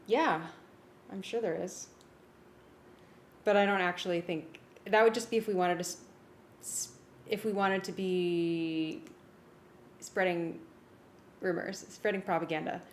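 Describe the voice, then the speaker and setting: A woman's voice: fairly low pitch, steady tone, measured pace, long pauses. A woman in casual working conversation, tentative and thinking aloud. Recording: echoey room with faint noise.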